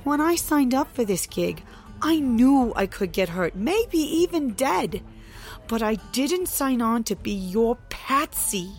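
Woman narrator as Trixie: sullen, scornful daughter. Lowish voice, faint music. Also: unhurried. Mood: frustrated. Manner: sullen, then sharp and scornful. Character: Trixie, bitter young woman defying her father.

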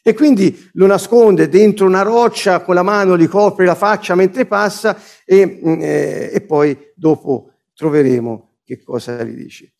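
A man's voice: high voice, fairly even intonation, a little slow, creaky, a little mellow. A man preaching a sermon, explaining scripture line by line and restating its words as he goes.

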